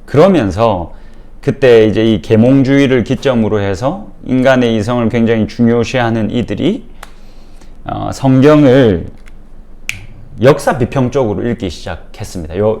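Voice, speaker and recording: Lively-voiced man giving a church Bible lecture. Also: medium pitch. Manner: explanatory, addresses listeners directly, many fillers.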